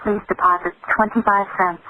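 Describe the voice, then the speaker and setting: A woman's prerecorded announcement heard over a payphone line, measured and evenly spaced. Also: mid-range voice, level tone. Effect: recorded message heard over a payphone line. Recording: tinny phone line with loud hiss.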